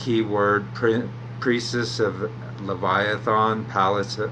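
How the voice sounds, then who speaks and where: A man's fairly low voice in an American accent, fairly slow and lively in intonation, with noticeable background noise and audible room echo. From United States. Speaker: tarot reader, occult livestreamer. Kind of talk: livestream tarot reading, partly reading aloud. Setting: Facebook live stream.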